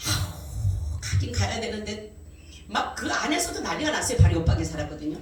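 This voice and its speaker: A woman's voice: medium pitch, a little fast, slight background noise. A woman pastor telling a personal testimony in a sermon, acting out what people said. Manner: animated storytelling, acting out quoted voices. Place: church sanctuary. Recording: echoey church hall mic from a distance.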